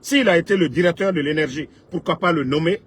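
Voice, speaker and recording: A man delivering an impassioned political rant, emphatic, swinging between loud outbursts and low asides, with a husky voice. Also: fast talker. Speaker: political commentator.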